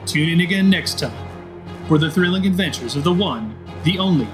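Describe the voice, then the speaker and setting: An actor playing a bombastic, theatrical announcer of an old-time adventure serial. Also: male voice, on the high side, animated, moderate pace, natural voice. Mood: grandly excited. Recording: music under the voice.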